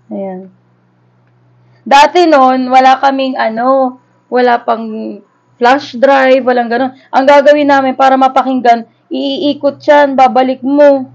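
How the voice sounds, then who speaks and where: A woman's voice: high-pitched, gravelly, a little mellow. A Filipino woman in her thirties chatting casually and nostalgically in Taglish as she vlogs an unboxing. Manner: nostalgic, informal, conversational. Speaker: vlogger unboxing a collectible. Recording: dull lo-fi sound.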